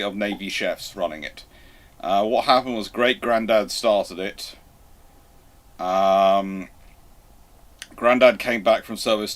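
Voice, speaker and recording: A man hosting a live question-and-answer stream, talking in a chatty, rambling way. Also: lowish voice. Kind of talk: casual live Q&A chat.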